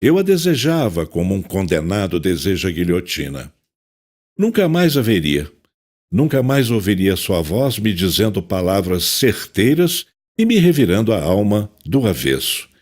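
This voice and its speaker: A man's voice: deep voice, big pitch swings, unhurried, a little mellow, exaggerated voice. An actor with a Brazilian accent playing a tormented, self-loathing psychiatrist in an audio drama, anguished and theatrical as he confesses. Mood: brooding, regretful.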